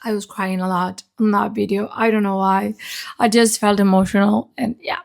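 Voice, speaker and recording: A woman's voice: mid-range voice, little pitch movement, moderate pace, vocal fry. A woman giving a casual, chatty book review in an informal, sweary way, her voice grainy and unsteady as she recovers. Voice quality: unstable, grainy voice. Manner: informal, sweary, often checks in with "okay?". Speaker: book reviewer, video channel host.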